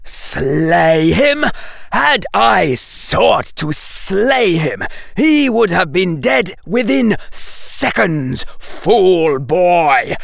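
A man putting on a haughty hissing snake with cut-short commanding phrases, raised higher than his narrating voice and drawn out very slowly. A dry, close reading with a gravelly edge. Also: very animated, no room sound, exaggerated voice. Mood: scornful. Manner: clipped hissing commands, dropped small words. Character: cold imperious hissing snake, male teacher. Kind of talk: audiobook character voice.

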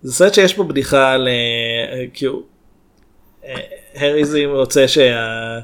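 A man co-hosting a film podcast, talking in a measured, hesitant way with pauses. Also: mid-range voice, fairly bright tone, clear, resonant tone. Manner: measured, hesitant, many fillers. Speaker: podcast co-host. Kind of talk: casual film chat.

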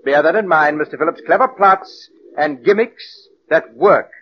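An actor playing a pompous, condescending male radio producer who speaks slowly and deliberately, in 1940s radio acting style. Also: a little high, a little hiss or hum, lightly acted. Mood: haughty. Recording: muffled old radio broadcast.

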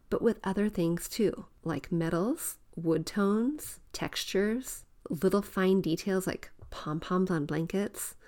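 Lower-voiced woman teaching home decor. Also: a little mellow. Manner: explains step by step, repeats key points. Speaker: home decorating podcast host. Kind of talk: instructive podcast talk.

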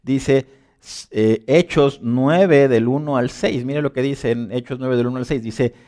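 A man delivering a sermon in a conversational way, leaning on rhetorical questions. He switches between loud emphatic bursts and soft, low asides, and he often restarts his phrases and repeats words. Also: a little slow. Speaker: preacher.

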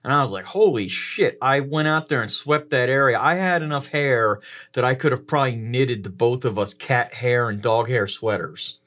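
A man co-hosting a podcast, telling casual anecdotes in an animated way. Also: medium pitch, moderate pace. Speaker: podcast co-host.

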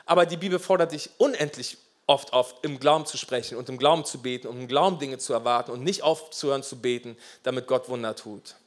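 A man preaching a sermon as pastor, passionate and emphatic, with swings between loud urgency and quiet asides. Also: medium pitch, fast talker, hardly any pauses.

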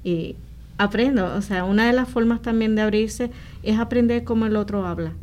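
A woman's voice: mid-range voice, moderate pace, darkish tone, slight background noise. A woman from Rico, talking earnestly and explaining things as a missionary guest in an interview. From Puerto Rico. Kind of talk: conversational interview testimony.

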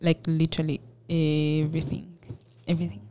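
A woman's voice: sits low, completely flat delivery, brisk, dark tone, slight background noise. A young Ugandan woman with a Ugandan accent, speaking modestly and reflectively as a podcast guest. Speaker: guest, makeup entrepreneur. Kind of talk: casual podcast interview.

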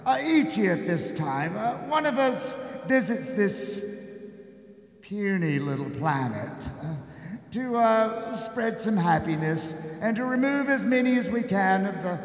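A man's voice: high voice, very animated, a little slow. A man playing a jolly, teasing giant Christmas spirit in a stage radio play, with a hearty theatrical delivery full of chuckles. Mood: amused, teasing. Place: theater stage before an audience. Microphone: shared stage microphone. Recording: echoey live stage hall with long reverb.

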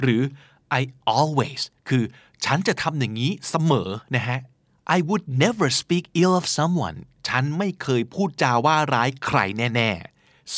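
A man's voice: mid-range voice, dry recording, studio quality. A man hosting a podcast, explaining words in a casual way and acting out playful examples. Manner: lively, teaching English words with playful acted examples. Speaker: podcast host.

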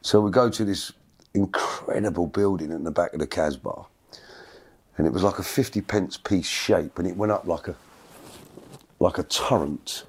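A middle-aged man, his voice sitting a little low. He tells his story in a loose, rambling way, often stumbling over and repeating words. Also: moderate pace, breathy edge. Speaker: guest. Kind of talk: casual storytelling.

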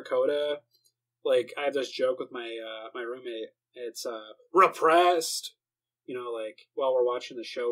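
A young man with a medium-pitched voice rambles casually about anime, swearing a lot and filling gaps with "like" and "uh." He's clearly an anime fan, and this is a loose monologue on poor-quality audio.

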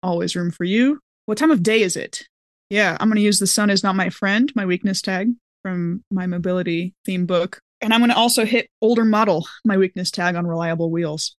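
Woman playing an rpg, thinks out loud, expressive, mid pitch, dry close sound. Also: brisk, no room sound. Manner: expressive, exclaiming, thinks aloud. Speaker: tabletop game player. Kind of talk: casual game chat.

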